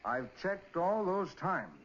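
American master detective, 1940s radio crime drama: shrewd, authoritative, slightly rough voice, muffled vintage recording. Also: male voice, sits high, sing-song, slow, a bit bright, heavily acted. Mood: explaining, puzzled. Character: shrewd, composed male master detective leading a murder case.

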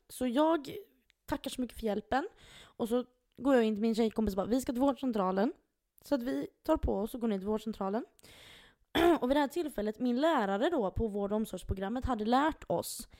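A young adult woman co-hosting a podcast, telling a story in an animated way and laughing often. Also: a little high. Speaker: podcast co-host. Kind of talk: casual storytelling.

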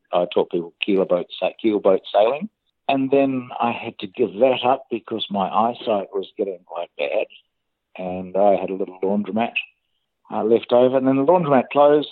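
A man in his sixties with a New Zealand accent, telling his life story as an interview guest in a plain, unhurried way. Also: lowish voice, no room sound. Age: 60s. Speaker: interview guest, business founder. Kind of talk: conversational interview. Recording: dry, phone-like remote line.

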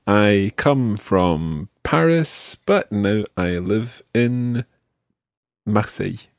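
A man hosting a podcast language lesson, modelling phrases slowly and clearly for a learner. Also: lowish voice, animated, dry recording, clean studio sound. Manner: slow, clear teaching delivery with drawn-out model phrases. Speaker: language teacher and podcast host.

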